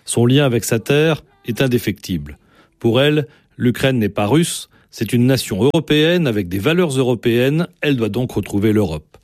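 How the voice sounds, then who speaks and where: A man's voice: mid-range voice, animated, moderate pace, darkish tone, no room sound. Dry-voiced male radio host. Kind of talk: scripted narration introducing the interview.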